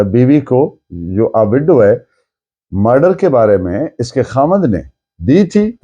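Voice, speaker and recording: Man, Pakistani accent, law lecturer, unhurried pace, mellow tone, emphatic, didactic, English legal terms mixed in. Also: mid-range voice. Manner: didactic, emphatic, repeats key phrases. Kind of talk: lecture, explaining and dictating case citations.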